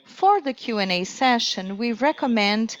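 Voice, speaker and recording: A woman speaking as a conference interpreter, delivering a formal corporate presentation in a measured way. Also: fairly high pitch, lively intonation, low-quality recording.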